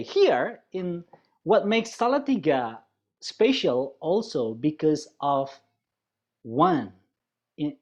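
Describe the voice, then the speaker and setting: A man's voice: on the high side, a little mellow. Indonesian guy presenting on a webinar, chatty, keeps restarting, asks the audience stuff, kinda muffled call audio. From West Java, Indonesia. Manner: chatty, draws in listeners with questions; halting, with frequent restarts. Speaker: university lecturer presenting.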